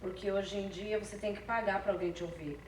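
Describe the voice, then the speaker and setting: A woman's voice: medium pitch, fairly even intonation, brisk. Female group participant, casual remarks, distant and echoey. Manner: chiming in with comments. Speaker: Bible study participant. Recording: distant mic in an echoey room with faint noise.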